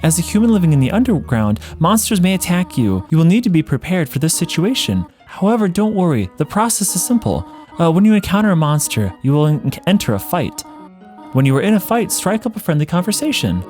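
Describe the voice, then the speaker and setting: Man putting on a gentle, high-pitched motherly monster lady. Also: sing-song, brisk, soft background music. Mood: encouraging. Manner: formal, careful, reassuring phrasing. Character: gentle motherly female monster caretaker, doting and formal. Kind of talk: game dialogue read-along.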